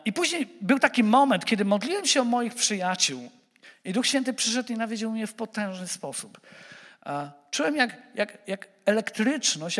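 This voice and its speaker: A man preaching a sermon who speaks straight to the congregation, animated and repeating words as he stumbles. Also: high-pitched, long reverb tail.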